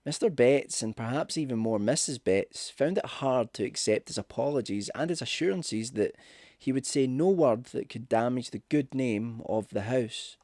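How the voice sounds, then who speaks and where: A man reading a scripted ghost story as narrator, with measured, dramatic delivery. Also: mid-range voice, lively intonation, a little mellow, dry recording, studio quality. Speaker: audiobook narrator.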